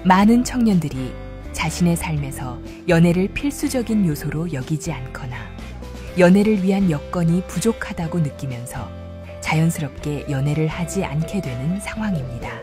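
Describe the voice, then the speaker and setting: A woman giving calm, measured, formal scripted documentary narration. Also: low-pitched, over music.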